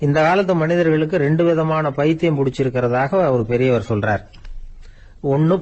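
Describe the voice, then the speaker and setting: A man's fairly high voice holds very even loudness and ordinary pitch variation. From Tamil Nadu, India. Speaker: radio broadcaster, storyteller. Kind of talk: storytelling talk with anecdotes. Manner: conversational, colloquial.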